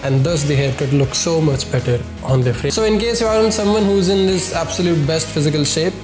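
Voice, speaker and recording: A man's voice: on the high side, expressive, a little fast. A man with an Indian accent and a nasal voice from a cold, hosting a men's style tutorial in an emphatic, repetitive way. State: congested with a cold. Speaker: host of a men's grooming video series. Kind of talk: scripted-style hairstyle tutorial addressed to viewers. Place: home studio indoors. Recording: echoey room with music behind.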